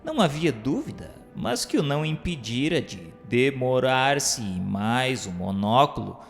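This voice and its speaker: A man's voice: medium pitch, very animated, unhurried, vocal fry. An actor playing a sardonic dead man who recounts his afterlife in theatrical, literary radio novel style. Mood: wry, reflective. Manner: theatrical, mocking, literary diction. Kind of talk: dramatized first-person radio novel narration. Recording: long hall reverb, music underneath.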